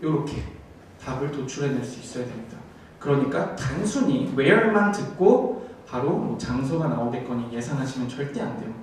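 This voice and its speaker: A man's voice: medium pitch, lively intonation, normal speed, a little mellow. A man teaching a TOEIC class, explaining step by step and often checking in with his students. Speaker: TOEIC instructor. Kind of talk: classroom lecture. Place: classroom in a language school. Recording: echoey classroom, distant camera mic, faint hiss.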